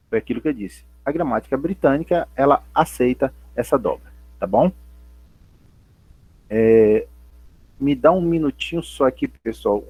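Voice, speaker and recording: A man teaches a class remotely, explaining patiently and going over each point again. His voice is slightly husky and sits in the middle range, recorded close and dry with no room echo. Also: mid-range voice. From Brazil. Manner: patient, repeats and spells out points, asks and answers himself. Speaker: English teacher.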